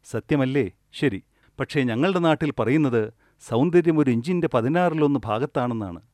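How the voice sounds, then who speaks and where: A man giving a spiritual discourse as a meditation teacher. He speaks in a measured way, repeats key phrases and asks rhetorical questions. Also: mid-range voice, expressive, darkish tone, dry recording.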